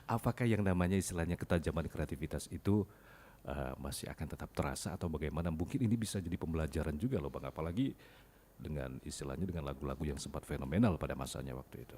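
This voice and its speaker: A man's voice: a bass voice, quick pace, dark tone, a little hiss or hum. A man hosting a radio talk show, asking questions politely and deferentially and murmuring along as his guests talk. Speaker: radio host. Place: radio studio.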